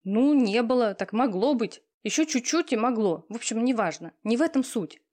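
A woman voicing a pushy, talkative young female friend who teases and lectures loudly. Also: on the high side, expressive, moderate pace, voice pushed up, lightly acted. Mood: bossy. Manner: loud, teasing, talkative.

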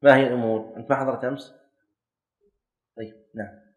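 A man's voice: medium pitch, steady tone, quick pace, highs cut off. Sheikh quizzing his students. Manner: quizzing and correcting students, joking lightly. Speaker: teacher of Islamic jurisprudence. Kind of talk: classroom lesson with questions to students.

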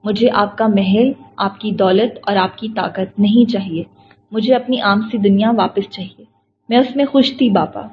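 A woman voicing a defiant, indignant young woman who answers her father with sharp scorn, in a storybook reading. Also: mid-range voice, dull audio, a little hiss or hum, natural voice. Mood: scornful.

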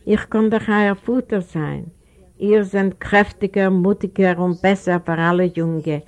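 A woman's voice: mid-range voice, steady tone, a little slow, a little mellow, lightly acted. A woman voicing a broken old man who pleads earnestly. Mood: alarmed.

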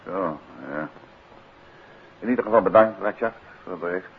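A composed gentleman detective speaks in a lowish voice with a Netherlands Dutch accent. He is courteous and inquisitive, in the manner of 1950s radio drama. The sound is narrow and noisy, like an old broadcast. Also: normal speed. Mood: grave, businesslike. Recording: band-limited, noisy 1950s radio recording.

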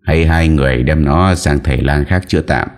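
A man's voice: very deep voice, a little fast. A man doing an earnest, anxious young servant.

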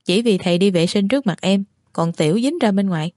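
A playful, pushy young man who coaxes and lightly mocks in a storybook, voiced by a woman reader. The tone is soft and mellow, close and dry. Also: mid-range voice, lively intonation, fairly quick, no echo, lightly acted. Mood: teasing. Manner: coaxing, lightly mocking.

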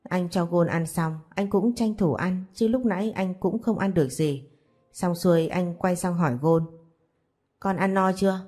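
A woman narrating a romance story in a steady, even reading. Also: lowish voice, normal speed, breathy edge.

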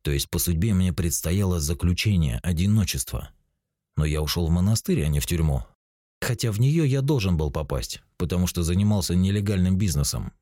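A man in his forties calmly explaining spiritual ideas, speaking straight to the listener as narrator of a self-help book. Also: low-pitched, no echo, clean studio sound. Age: 40s. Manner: calm, explanatory, addresses the listener directly.

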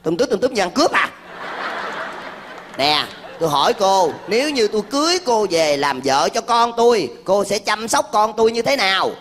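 An actor playing a short, touchy old master of the house in a stage comedy sketch, scolding in a bossy, blustering way. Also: male voice, high-pitched, big pitch swings, moderate pace, a bit bright. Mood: questioning. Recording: live stage with crowd noise.

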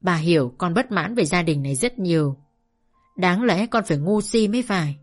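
A woman reading an audiobook, voicing an older father who speaks softly and sadly to his daughter. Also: lowish voice, animated, moderate pace, soft background music. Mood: sorrowful. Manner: soft, pleading, sighing. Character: gentle sorrowful father, older man.

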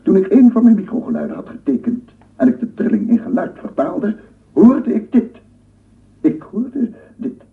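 A man's voice: sits high, huge pitch swings, moderate pace, far from the mic. An actor playing an obsessive scientist in a radio drama, lecturing formally and rhetorically with fervent wonder, repeating his phrases. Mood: fervent, amazed. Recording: muffled phone-like radio play recording, off-mic.

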